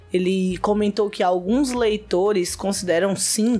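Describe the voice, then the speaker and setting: Speech comes at a very slow pace with fairly even intonation over noticeable background noise. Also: woman. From Brazil. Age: 20s. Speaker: podcast co-host. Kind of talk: casual chat.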